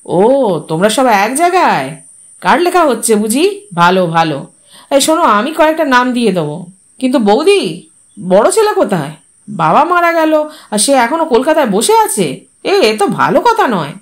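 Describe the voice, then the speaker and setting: A woman's voice: fairly high pitch, very animated, moderate pace, pauses often. A nosy, meddling older uncle in a storybook reading, as a woman reader puts him on. He talks in a bossy, prying way, handing out orders. His voice rises and falls a lot.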